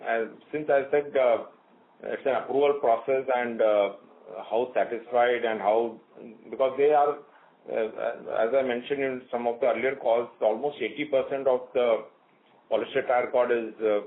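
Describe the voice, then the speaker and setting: A man, a company executive answering questions on an earnings call, speaking in measured sentences with frequent pauses. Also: medium pitch. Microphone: phone line. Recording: tinny phone line, faint hiss.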